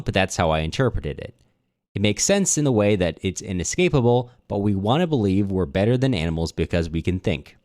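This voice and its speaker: A man's voice: fairly low pitch, darkish tone, no echo, clean studio sound. A man co-hosting a podcast, reading listener comments aloud. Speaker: podcast co-host.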